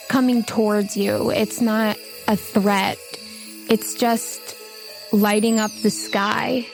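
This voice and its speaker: A woman acting as game master, describing the scene of a tabletop game in short, measured phrases with pauses. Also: mid-range voice. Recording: music playing under the voice.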